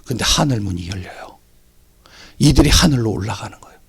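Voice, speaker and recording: A male pastor preaching a sermon in a church, dramatic, swinging from loud emphasis to hushed whispers. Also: on the low side, animated, brisk, creaky, slightly rough. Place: church sanctuary.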